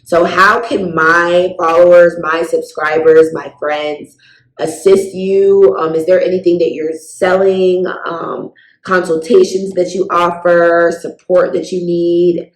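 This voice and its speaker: A woman's voice: lowish voice, slow pace. An American woman interviewing a guest in a chatty, curious way. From United States. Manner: relaxed, curious, chatty questions. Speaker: interviewer and vlogger. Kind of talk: casual interview chat. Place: room in Kenya. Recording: echoey room.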